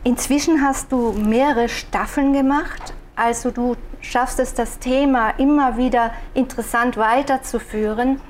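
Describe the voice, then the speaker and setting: A woman from Austria interviews a guest, asking her questions at a measured pace with a tone of admiration. Her voice is slightly high, and a faint background noise sits under the recording. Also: steady tone. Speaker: podcast interviewer.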